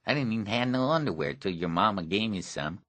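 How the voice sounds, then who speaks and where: A man's voice: on the low side, animated, fairly quick, a bit bright, no echo. Man voicing a bitter teenage boy.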